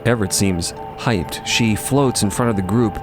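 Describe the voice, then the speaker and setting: A man narrating scripted audio fiction dramatically, in a deliberate, suspenseful manner. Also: on the low side, over music. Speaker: narrator and co-host.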